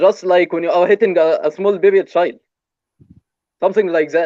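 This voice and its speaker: A man's high-pitched voice with a dark, mellow tone, in a dry, close sound with no echo. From Egypt. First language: Arabic. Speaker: caller. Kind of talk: casual debate on a livestream. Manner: halting.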